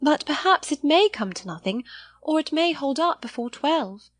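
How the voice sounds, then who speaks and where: Woman acting an anxious, high-voiced young lady. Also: animated, moderate pace, dry recording. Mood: hopeful. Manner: plaintive, earnest exclamations in polite period English. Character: anxious, earnest seventeen-year-old young lady, hopeful then despondent.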